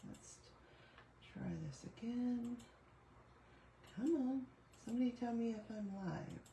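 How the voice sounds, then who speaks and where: A middle-aged woman with a raspy voice, recovering from a cough, chatting casually through a live paper craft demo and apologizing for her computer trouble. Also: medium pitch, darkish tone. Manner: chatty, apologetic, thinking aloud over tech trouble. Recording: echoey room with faint noise.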